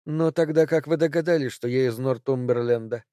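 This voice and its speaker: Brief: poised, clever young woman, calm and measured, low mellow voice, dry sound, read by a male narrator. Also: dry recording, lightly acted. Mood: composed. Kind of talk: audiobook character voice.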